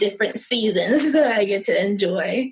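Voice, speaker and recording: Over noticeable background noise, a woman with an American accent speaks at a fairly high pitch with fairly even intonation. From US South. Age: 20s. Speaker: youth program specialist. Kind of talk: panel self-introduction.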